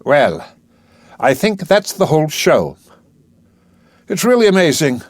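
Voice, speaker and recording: A man's voice: fairly high pitch, huge pitch swings, measured pace, dry recording, pitched above the performer's own voice. A man playing an impetuous, brusque male professor of about forty who talks energetically. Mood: eager.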